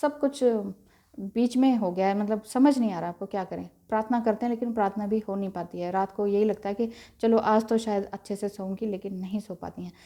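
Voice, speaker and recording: A woman giving a gentle, reassuring tarot reading and mixing in English phrases. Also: medium pitch, fairly quick. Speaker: tarot reader.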